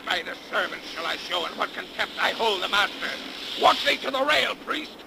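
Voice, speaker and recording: An actor playing a defiant, blasphemous sea captain in 1930s radio melodrama, declaiming theatrically in archaic speech. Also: male voice, high-pitched, lively intonation, moderate pace, gravelly. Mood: defiant rage. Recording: noisy 1930s radio recording.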